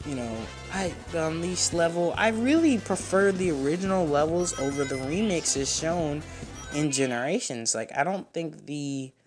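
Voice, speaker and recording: A man's voice: fairly high pitch, lively intonation, moderate pace, breathy edge. Male gaming host, casual and opinionated, talks in long rambles over game music. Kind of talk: casual let's play commentary.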